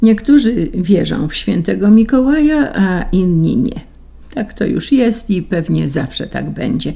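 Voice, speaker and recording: A woman calmly reading children's stories aloud with gentle expression. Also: mid-range voice, a little slow, vocal fry. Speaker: narrator. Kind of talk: storybook reading.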